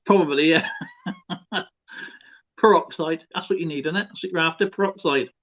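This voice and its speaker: An Englishman with a fairly high voice co-hosts a live stream, chatting casually at normal speed. He tells jokey stories and laughs a lot, and the stream audio is dull and lo-fi.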